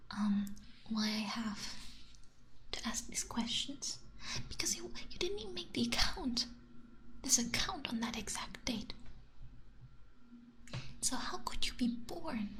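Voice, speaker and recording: A woman's voice: a little high, natural voice. Woman playing a whispering, falsely friendly AI gatekeeper. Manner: whispered, halting interrogation. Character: creepy AI age-checker feigning friendliness, condescending, suspicious. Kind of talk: ASMR roleplay.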